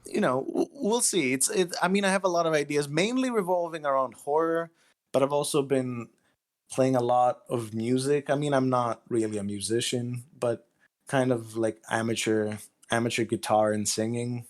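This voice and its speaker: A man with a mid-pitched voice talks casually as an interview guest. He is a writer who plays himself down, modest and informal in the way he speaks. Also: normal speed. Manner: modest, self-deprecating.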